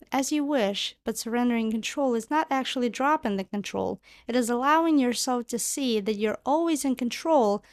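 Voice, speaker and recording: A woman's voice: a little high, no room sound. A woman delivering a channeled spiritual monologue in formal, solemn phrasing, speaking as a spiritual guide.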